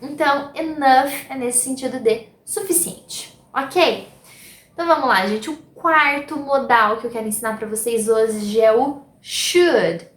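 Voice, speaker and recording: A woman's voice: a little high, measured pace, roomy sound. A Brazilian woman teaching an English grammar lesson, explaining patiently step by step. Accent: Brazilian Portuguese.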